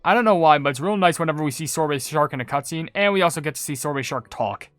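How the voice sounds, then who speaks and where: A man's voice: fairly high pitch, fast talker, a bit bright, no echo. A man giving casual, chatty, rambling reaction commentary on a video game. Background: game music.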